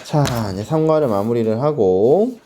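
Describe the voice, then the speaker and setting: Lively-voiced man teaching a lecture. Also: mid-range voice, normal speed, a little hiss or hum. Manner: chatty storytelling, animated asides to students. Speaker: English teacher. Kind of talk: recorded exam-prep lecture.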